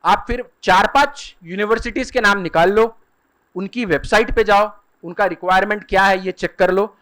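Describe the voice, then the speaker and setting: A man with a fairly high voice lectures a seminar audience on study options. He explains step by step, slowing down to spell out and repeat the key terms. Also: fairly bright tone. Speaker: career guidance speaker. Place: seminar hall.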